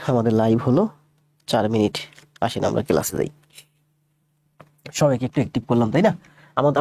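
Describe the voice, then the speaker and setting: A man with a cold, speaking slowly and softly as he greets viewers before his live math class. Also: medium pitch. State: has a cold. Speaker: math teacher.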